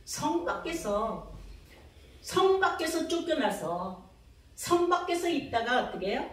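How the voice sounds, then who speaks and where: A woman pastor with a high, very animated voice preaches a revival sermon at a slow pace, dramatically acting out her own prayers and calling on the congregation for amens. The mic sits at a distance in a very echoey hall.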